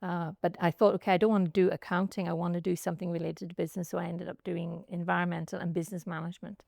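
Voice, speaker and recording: A woman with a Northern Irish accent speaks in a low, gravelly voice, thinking aloud as she tells her story. She is unhurried and reflective, and pads her answers with "um" and "and so on." The sound is close and dry. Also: level tone, a little mellow, no room sound. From Northern Ireland. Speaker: guest, chartered accountant and academic. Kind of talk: conversational interview answers. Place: outdoors by a pool.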